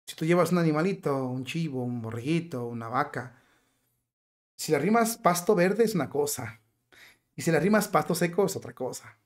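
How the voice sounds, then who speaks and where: A man with a fairly high voice gives indignant religious commentary. He reads a news report, then turns emphatic and outraged, pressing his point with sharp rhetorical questions. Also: expressive, moderate pace.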